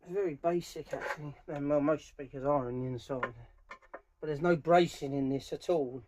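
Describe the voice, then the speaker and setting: A man's voice: a little high, moderate pace. A middle-aged man giving informal hands-on commentary in a workshop, thinking aloud as he works. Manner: thinking aloud while working with his hands. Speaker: DIY speaker restorer presenting a how-to video. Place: small cluttered workshop, indoors. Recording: clear background noise, clicks of handling.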